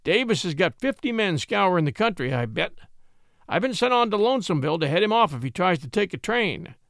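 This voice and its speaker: A man's voice: sits high, sing-song, fairly quick, gravelly, fairly bright tone, dry recording, studio quality, full character voice. A man voicing a brash, nosy rural deputy in an audiobook, folksy and insistent. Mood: eager, boastful.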